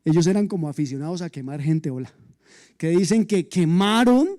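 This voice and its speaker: A male pastor preaching a sermon, retelling a story in an animated way with humorous asides to the congregation. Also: on the high side, moderate pace.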